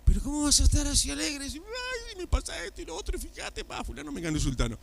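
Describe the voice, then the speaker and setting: A man voicing a whiny, anxious churchgoer who complains about his troubles, high and fast. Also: huge pitch swings, gravelly, heavily acted. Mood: whining. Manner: high, fast, fretful grumbling.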